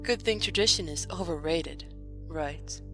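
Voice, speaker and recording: A woman playing a composed, gently teasing young noblewoman in a fan audio drama, with formal and dryly playful wording. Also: low-pitched, unhurried. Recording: music playing behind. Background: music.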